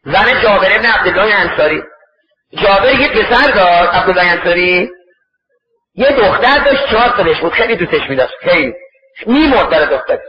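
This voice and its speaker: A male preacher with a notably high voice delivers a storytelling sermon, acting out the characters and breaking with grief. He is heard from a distance in a large, echoing space. The recording is dull and muffled. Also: expressive.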